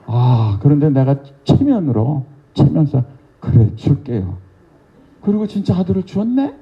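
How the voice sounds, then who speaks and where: An older man preaching at a church revival, playfully calling on congregants and quizzing them. His voice sits a little high and is gravelly, jumping widely in pitch. The recording is muffled and lo-fi. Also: sing-song, moderate pace. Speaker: pastor. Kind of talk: interactive revival sermon, questioning the congregation. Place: church sanctuary.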